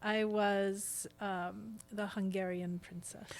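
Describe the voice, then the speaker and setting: A woman speaks as an interview guest on a podcast. Her voice is medium in pitch, and she talks in a conversational, chatty way, happily explaining details. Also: flat delivery, slow. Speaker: guest, stage actress. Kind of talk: casual podcast interview chat.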